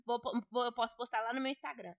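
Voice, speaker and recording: A woman's voice: a little high, fairly even intonation, quick pace, no room sound, dull audio. A young woman with a Brazilian Portuguese accent giving gossipy, indignant role-play commentary on a game to her viewers. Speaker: Roblox gamer.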